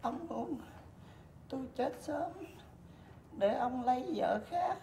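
An actress playing a frail, nagging old wife in a stage comedy sketch, with a plaintive, complaining manner. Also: female voice, high voice, animated, slow, creaky, mellow, exaggerated voice. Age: older. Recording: roomy stage recording with noise.

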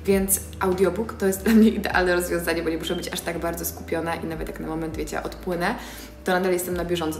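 A young woman vlogging to her phone camera from her living room, chatty and enthusiastic, with plenty of filler sounds. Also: on the low side. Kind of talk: casual vlog chat to camera. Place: bright living room at home. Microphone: phone camera on a tripod nearby. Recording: roomy echo with music behind.

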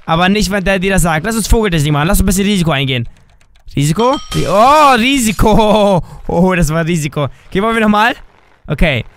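Young male gaming YouTuber, high, smooth voice, dry from a cold, jokey let's-play commentary. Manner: excitable, jokey, switches between shouts and drawn-out slow words.

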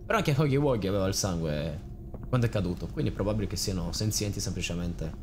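A man's voice: low-pitched, animated, fast, background noise. A young man giving casual, rambling, joking let's play commentary with theatrical reactions. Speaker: gaming channel host.

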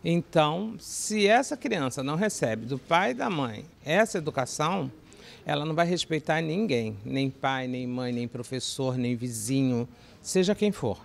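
A man answering forcefully in an interview with a handheld mic, driving points home in a list. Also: on the high side, animated, unhurried, gravelly. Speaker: interviewee at religious event. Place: indoor event venue.

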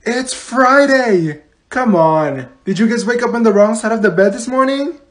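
A woman's voice: fairly high pitch, lively intonation, moderate pace, lightly acted. A woman playing a bossy, falsely cheerful schoolteacher in a comedy classroom skit, with a snappy sing-song manner. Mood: perky, chirpy. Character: bossy, fake-cheerful female schoolteacher scolding her class.

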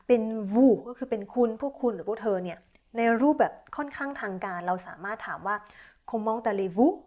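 A Thai woman teaching a French lesson, slowly reading out model sentences and explaining each one politely. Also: mid-range voice, a little mellow. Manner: slow, drawn-out model sentences, polite particles. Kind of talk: language lesson explaining verb conjugation.

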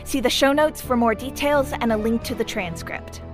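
A woman's voice: on the high side, moderate pace. A woman announcer reading a scripted notice for an audio drama. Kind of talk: scripted content warning. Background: music behind the voice.

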